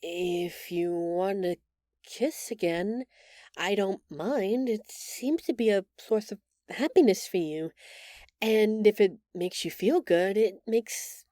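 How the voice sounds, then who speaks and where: Woman acting a slow, shy, gentle alien girl. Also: medium pitch, animated, dry recording, clean studio sound. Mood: playful, earnest. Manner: hesitant, stammering, apologetic. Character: gentle shy female alien, earnest and eager to please. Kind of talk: intimate scripted audio roleplay.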